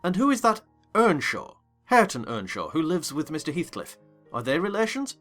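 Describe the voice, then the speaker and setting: A reader voicing a curious, formal gentleman tenant who narrates in first person. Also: medium pitch, huge pitch swings, moderate pace, faint music behind. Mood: inquisitive. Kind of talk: dramatized audiobook reading.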